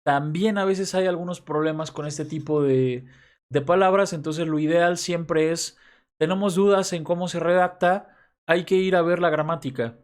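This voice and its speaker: A man explains grammar in a relaxed, conversational way, often pausing to check that his listeners follow. His voice sits a little higher than most men's. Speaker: teacher. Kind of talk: casual grammar lesson.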